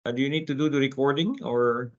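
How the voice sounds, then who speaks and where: A man from Indonesia with an Indonesian accent, presenting informally in a webinar, hesitating often and repeating words. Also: medium pitch. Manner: halting, hesitant, frequent pauses and repeated words. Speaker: guest speaker, IT security expert. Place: office, over an online video call. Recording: dull, compressed online call audio.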